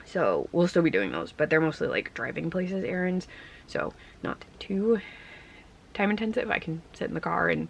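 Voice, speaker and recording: A woman's voice: on the low side, expressive, moderate pace, gravelly, a little hiss or hum. A young woman vlogging in a casual, rambling way, congested and tired, with frequent ums. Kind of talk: casual vlog chat.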